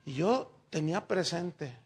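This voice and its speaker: A middle-aged man, preaching a sermon and telling lively stories while speaking directly to the congregation. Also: a little high, a little slow, husky. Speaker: pastor.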